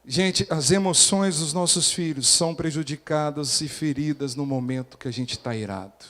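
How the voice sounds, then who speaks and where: A man preaching to his congregation in an animated way, his voice sitting a bit high. He acts out quoted voices and keeps asking the people questions. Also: moderate pace. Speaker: pastor. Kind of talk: sermon.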